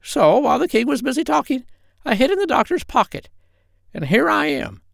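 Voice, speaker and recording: Man putting on a shrill little female parrot. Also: very animated, fairly quick, creaky, a bit bright, no room sound, studio quality, exaggerated voice. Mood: proud, sly. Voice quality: shrill, squawky. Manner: boastful, cunning. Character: small, sly, proud female parrot.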